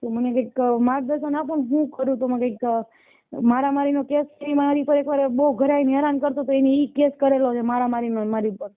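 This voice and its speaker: Her voice is high-pitched and steady, her delivery brisk, as this 29-year-old caller with a Saurashtra Gujarati accent describes her situation and begs for help. The phone recording sounds dull and lo-fi.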